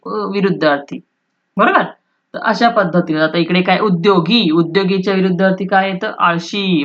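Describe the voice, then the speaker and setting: A woman's voice: on the low side, a bit bright, muffled recording. A woman teaching a school Marathi lesson, explaining step by step, repeating key terms and asking if students follow, sometimes restating points in Hindi.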